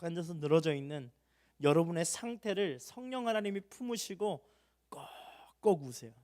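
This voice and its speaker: A high-pitched young man preaches a heartfelt sermon in a church hall. He climbs into loud, urgent appeals, then falls to soft, low near-murmurs. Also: steady tone, normal speed. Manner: emotional preaching, swings from loud rising appeals to hushed low tones. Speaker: pastor.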